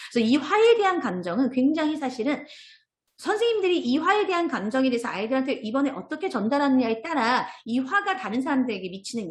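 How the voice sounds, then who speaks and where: Brief: high, lively female trainer lecturing teachers over a roomy video call. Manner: expressive, animated, acts out child voices. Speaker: early childhood curriculum trainer.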